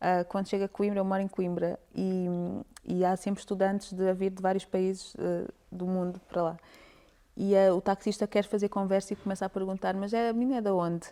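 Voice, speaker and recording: Delivery is fairly quick and monotone, with flat intonation. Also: woman, medium pitch for a woman. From Portugal, of São Tomé heritage. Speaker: poet and conversation host. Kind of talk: public conversation.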